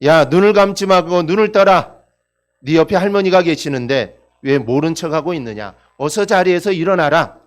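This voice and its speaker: A male pastor voicing the Lord in a sermon story, calm, firm and fatherly. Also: on the high side, normal speed, close to an everyday voice. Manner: calm, commanding, fatherly address.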